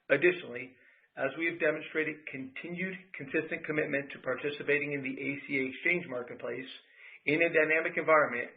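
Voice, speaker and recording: Male corporate executive, medium-pitched, measured scripted delivery, heard over a narrow conference call phone line. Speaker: company executive. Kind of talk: scripted earnings call presentation.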